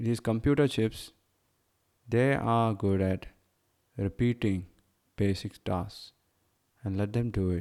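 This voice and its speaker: With an Indian accent, a man speaks at a very slow pace with long, frequent pauses, a dark, mellow tone, fairly low pitch and fairly even intonation, on a very clean recording with a silent background. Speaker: podcast host, blind entrepreneur. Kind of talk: solo podcast monologue. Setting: home at night.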